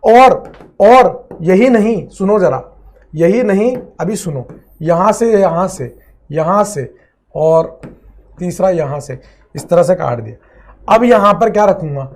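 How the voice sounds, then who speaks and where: High-voiced man teaching chemistry. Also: animated, takes it slowly, pauses often, a little mellow. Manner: repeats phrases, drills students, calls them friend. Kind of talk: classroom lecture at a board.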